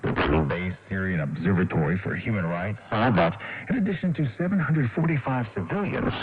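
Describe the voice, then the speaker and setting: A man with an American accent anchors a scripted radio news bulletin in a formal, measured announcer delivery. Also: medium pitch. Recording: noisy narrowband shortwave radio broadcast.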